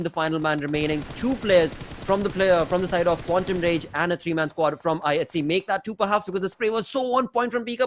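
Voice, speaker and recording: High-pitched male esports caster, wordy. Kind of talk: play-by-play esports commentary. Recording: clear background noise, game gunfire. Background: video game gunfire.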